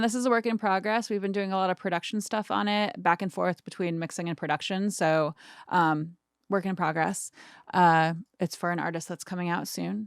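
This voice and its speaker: A woman in her thirties talks through a tutorial in a casual, think-aloud way. Her voice sits low, smooth yet laced with vocal fry. The sound is close, as from a studio microphone. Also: dry recording. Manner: informal, thinking aloud while demonstrating. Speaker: music mixing tutorial host. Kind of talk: casual screen-share tutorial talk.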